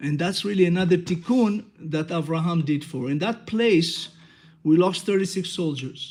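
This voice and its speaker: A man's high-pitched voice with a slight Israeli accent, at a moderate pace with ordinary pitch variation. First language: Hebrew. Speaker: rabbi teaching a Torah class. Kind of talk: religious lecture. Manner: conversational, interactive with class.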